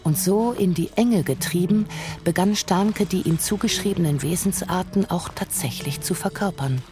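A narrator reading a radio play story in a calm, measured way. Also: mid-range voice, music in the background.

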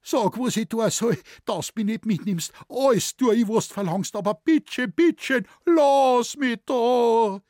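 A man's voice: extremely high pitch, a little slow, hardly any pauses, darkish tone, no echo, clean studio sound, pitched above the performer's own voice. A man voicing a frightened village cobbler with a Bavarian accent, who sobs and begs for mercy. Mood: desperate pleading. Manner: sobbing, begging, whiny.

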